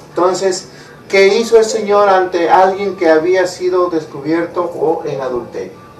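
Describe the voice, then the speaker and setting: A man with a high voice preaches slowly, stopping often to ask his listeners rhetorical questions. He is recorded from far off, in a room with a strong echo and faint ambient noise. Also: a little mellow. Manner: asks the congregation rhetorical questions. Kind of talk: sermon. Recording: echoey room, mic far off.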